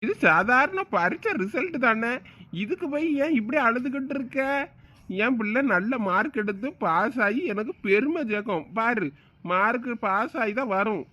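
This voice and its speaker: A man playing a soft-hearted village father who coaxes and defends his daughter. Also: extremely high pitch, animated, normal speed, heavily acted. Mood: coaxing. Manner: coaxing, pleading. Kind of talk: comedy skit acting.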